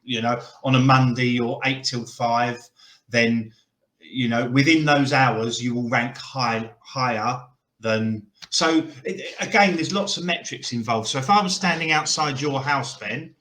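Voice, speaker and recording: Casting: male guest expert, halting, full of fillers, roomy echo on a call. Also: medium pitch, a bit bright. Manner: hesitant, filler-heavy. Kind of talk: casual Q&A answers.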